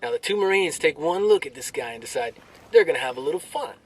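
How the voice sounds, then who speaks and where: An actor playing a brash, crude army soldier telling jokes with swaggering military banter and drawn-out delivery. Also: male voice, fairly high pitch, sing-song, vocal fry, slightly rough, far from the mic, exaggerated voice. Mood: cocky, joking. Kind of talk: military banter, performed joke storytelling.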